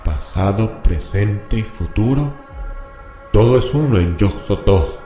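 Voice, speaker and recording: A man acts out a grave scholar in a horror radio play, in a very dark, echoing voice over music. He intones forbidden scripture slowly, with solemn dread and an ominous, incantatory weight. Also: fairly low pitch, animated. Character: grave, horrified scholar reading forbidden occult scripture aloud. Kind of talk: horror radio drama acting. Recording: reverberant voice with music bed.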